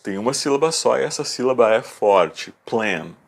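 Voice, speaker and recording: A man teaching a video lesson, explaining rules patiently and step by step, repeating key words slowly. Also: mid-range voice, expressive, creaky. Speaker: English teacher.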